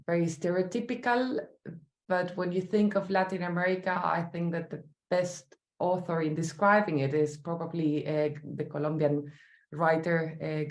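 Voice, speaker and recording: Chilean-accented woman, lowish voice, thoughtful and halting, lots of ums, roomy echoey sound. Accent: Chilean Spanish. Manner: thoughtful, halting, many fillers. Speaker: sculptor guest. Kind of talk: interview answers. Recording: roomy echo.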